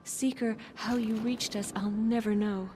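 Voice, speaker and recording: A woman's voice: on the high side, fairly even intonation, measured pace, mellow, slight background noise, close to an everyday voice. An actress playing a solemn, devout and weary tribal woman in a video game. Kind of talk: dramatic video game acting.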